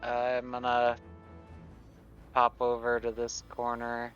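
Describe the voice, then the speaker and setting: Muffled lo-fi voice chat, guy playing a tabletop rpg, casual, forceful tone. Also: medium pitch, completely flat delivery, slow, soft background music. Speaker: player. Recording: dull, lo-fi voice chat audio.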